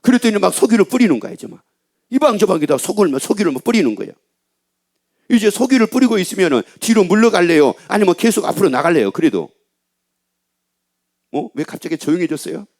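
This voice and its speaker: A middle-aged man preaching a sermon as pastor, telling a story with lively asides and questions to the congregation. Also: high-pitched, fast, pauses often.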